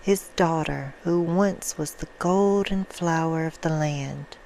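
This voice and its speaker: A woman voicing a soothing yet menacing female vampire in an ASMR roleplay, telling a bedtime story in a hushed manner that drifts into whispers. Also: sits low, slow pace, low-quality recording. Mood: hushed storytelling. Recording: clear background noise.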